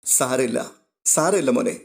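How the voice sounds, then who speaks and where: A man voicing a kind, tearful young woman who gently comforts her family as she leaves. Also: medium pitch, animated, a little slow, vocal fry. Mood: tender. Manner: gentle, soothing, motherly.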